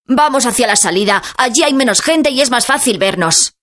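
A woman voices a sensible, decisive teenage boy, pitching her voice above her own natural register. The result is fairly high, a bit bright, and lively in intonation at a normal speed.

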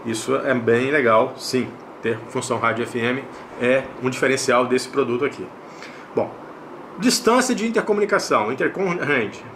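A man's voice: medium pitch, normal speed, a bit bright, a little hiss or hum. A man with a Brazilian Portuguese accent hosting a casual product review, explaining step by step, repeating himself and checking in with little tag questions. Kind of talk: casual unboxing and review narration.

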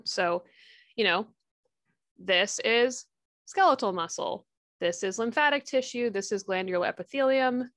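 A woman's voice: on the high side, unhurried, a bit bright, dry recording, studio quality. A woman giving a recorded histology lecture, chatty and upbeat, with jokey asides and frequent ums.

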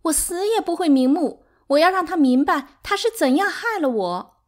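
A woman voicing a hysterical, defiant younger concubine in an audiobook, shrill and wailing with grievance. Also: sing-song, normal speed. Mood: defiant, aggrieved. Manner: wailing, taunting. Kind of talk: dramatic audiobook character acting.

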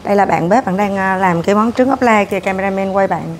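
Casting note: woman in her 30s, chatty buffet vlogger on a lapel mic, steady mid voice, dishes clinking clearly behind. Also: mid-range voice, quick pace, a little hiss or hum. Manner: chatty, narrating while serving herself food. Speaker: food vlogger. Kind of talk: casual walkthrough vlog. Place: hotel breakfast buffet room, indoors. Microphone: clip-on lapel mic.

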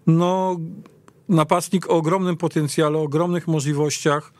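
A man with a somewhat high voice talks casually as a football pundit. He is in a podcast discussion, recorded dry in a studio. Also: fairly even intonation, moderate pace, darkish tone, no echo. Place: radio studio.

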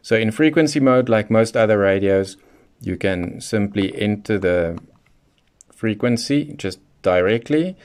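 A man's voice: lowish voice, animated, a little slow, a little mellow, a little hiss or hum. A man presenting a hands-on product tutorial, explaining things methodically, step by step. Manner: methodical, instructional. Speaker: presenter of a radio how-to guide.

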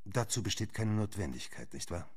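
An actor playing a reserved, courteous but stubborn gentleman in a German radio drama. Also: fairly low pitch, expressive, brisk, husky. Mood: firm, evasive. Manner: courteous, evasive, firm. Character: Doctor Jekyll, reserved, polite, stubborn gentleman.

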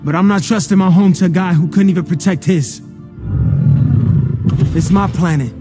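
A man's voice: high voice, normal speed, dark tone. A young man with brash, streetwise talk, from a film soundtrack. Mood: defiant. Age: young adult. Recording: film soundtrack with faint music.

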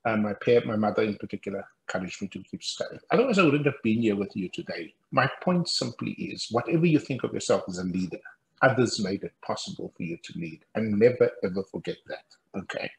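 An older man with a gravelly edge to his voice tells stories from his life in a lively, anecdotal way. He chuckles often as he speaks. He talks through a headset on a video call from his home. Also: lowish voice, fast talker, rough recording. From South Africa. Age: 60s. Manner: animated, anecdotal, laughs often, gestures while talking. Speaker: guest speaker, professor. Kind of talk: storytelling interview on a video call. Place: room at home, indoors.

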